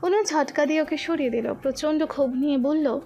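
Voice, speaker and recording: A woman narrating a romantic audio story with steady, expressive storytelling. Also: high-pitched, brisk, lo-fi sound, faint music behind.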